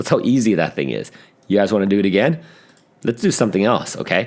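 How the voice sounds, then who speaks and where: The tone is animated, with ordinary pitch variation, on a very clean recording against a silent background. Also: man. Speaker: video editing tutorial creator. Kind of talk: tutorial. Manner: fast; casual, animated.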